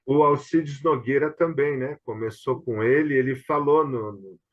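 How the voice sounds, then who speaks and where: A Brazilian man hosting a casual panel conversation, speaking haltingly and repeating small words. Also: mid-range voice, dull audio. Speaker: host of the series.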